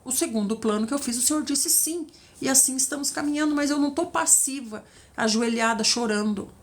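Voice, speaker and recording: A woman giving devotional teaching as a preacher, animated and acting out the voices she quotes. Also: sits high, a little fast.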